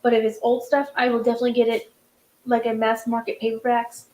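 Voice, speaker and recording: A woman's voice: on the high side, level tone, quick pace, darkish tone. A woman hosting a casual chat about books, rambling with many fillers and restarts. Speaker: host. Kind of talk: casual video-call chat. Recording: roomy echo.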